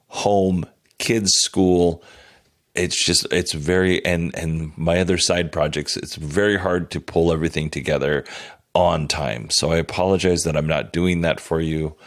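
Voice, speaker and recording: A man hosting his podcast in a casual, rambling way, apologetic and losing his voice. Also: sits low. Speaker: podcast host. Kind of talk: casual solo podcast talk.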